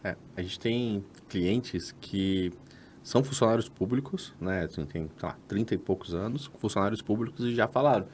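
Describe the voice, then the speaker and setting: A man's voice: lowish voice, moderate pace, a little mellow, slight background noise. A Brazilian man with a Brazilian Portuguese accent, co-hosting a podcast and explaining a process step by step in casual, filler-heavy talk. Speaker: podcast co-host.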